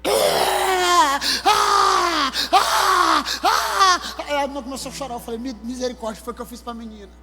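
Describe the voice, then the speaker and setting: A male pastor with a Maranhão accent, preaching a sermon with animated, exclamatory storytelling. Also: very high-pitched, racing, few pauses, slight background noise. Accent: Maranhão, Brazil. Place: church sanctuary. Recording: hall reverb with soft music.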